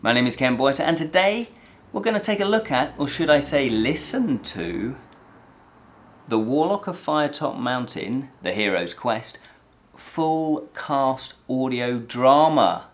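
A man in his forties hosting a review show, talking to camera in an animated, emphatic, conversational way. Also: mid-range voice, measured pace, slight background noise. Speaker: host of a fantasy review show. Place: small indoor room with fabric backdrop.

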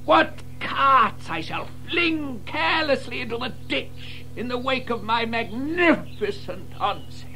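A man playing a vain, reckless gentleman toad in a children's audio drama, grandiose and dreamy, savouring each phrase. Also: very high-pitched, animated, unhurried, hardly any pauses, soft background music, full character voice. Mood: rapturous. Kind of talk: full-cast children's audio drama acting.

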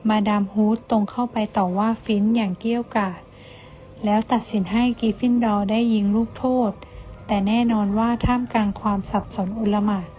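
A woman reading a storybook aloud in Thai, lively, shifting her voice for the characters. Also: fairly high pitch. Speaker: audiobook reader. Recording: tinny phone-like sound with faint music.

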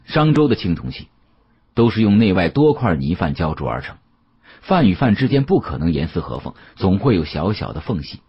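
A man narrating an audiobook as a dramatic storyteller, with an expressive, conversational delivery. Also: low voice, fairly quick, slightly rough, highs cut off.

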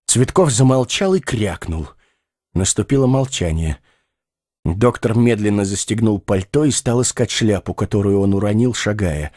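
A man calmly narrating a classic short story as an audiobook reader. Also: on the low side, normal speed, no room sound, studio quality. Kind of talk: scripted literary narration.

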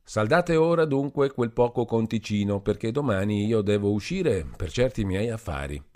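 A man's voice: on the low side, animated, normal speed, darkish tone, pitched above the performer's own voice, lightly acted. A man voicing a sly middle-aged innkeeper who talks in a wheedling, persuasive way. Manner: wheedling, then brusque. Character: wily middle-aged male innkeeper, coaxing.

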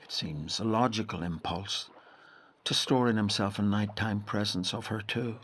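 A man with a Northern Irish accent playing a reflective storyteller, narrating a literary audio drama in a measured, deliberate way. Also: fairly low pitch, steady tone, a bit bright, husky. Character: reflective male storyteller recalling a boy's rural Irish childhood.

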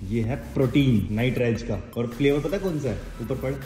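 A man's voice: mid-range voice, fairly quick, mellow. A young man, a fitness vlogger, chatting casually and teasing friends while filming in a hotel and gym. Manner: chatty, teasing, hypes up others. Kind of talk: casual vlog chat. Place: hotel room, restaurant and gym. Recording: echoey rooms with music behind.

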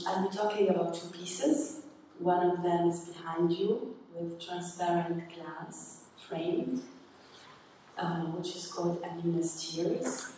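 A woman from Tunisia, an artist explaining her work in a measured way on a gallery panel into a handheld mic. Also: fairly low pitch, warm tone, slight background noise. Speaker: exhibiting artist. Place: large museum gallery, indoors. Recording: echoey gallery, distant mic.

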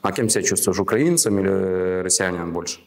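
Deep-voiced Ukrainian man questioning. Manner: probing, with pauses and fillers. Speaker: interviewer. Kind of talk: interview questions. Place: small office indoors.

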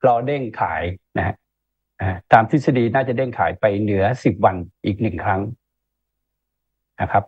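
A man's voice: on the low side, normal speed, long pauses, darkish tone, slightly rough, no echo. A man in an interview giving stock market commentary, talking emphatically and checking in with rhetorical questions, over a tinny phone-line sound. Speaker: investment analyst guest.

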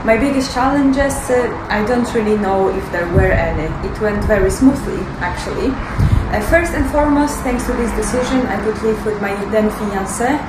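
A woman's voice: mid-range voice, moderate pace. Earnest woman outdoors with traffic noise. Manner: earnest, a little formal, small slips of grammar. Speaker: interviewee, expat. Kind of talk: casual testimonial. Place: outdoors by the water in a city. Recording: roomy outdoor sound with loud traffic noise.

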